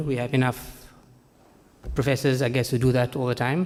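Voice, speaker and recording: A man speaks with a South African accent. His pitch is fairly high. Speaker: digital media executive. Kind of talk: conference talk. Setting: stage with audience. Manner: fast.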